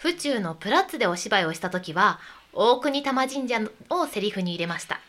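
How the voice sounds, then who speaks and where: A woman from a visiting theater troupe, describing their shows in a cheerful, clear way. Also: medium pitch, big pitch swings, brisk, bright, forceful tone. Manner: cheerful, clear, with light laughs. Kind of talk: radio interview.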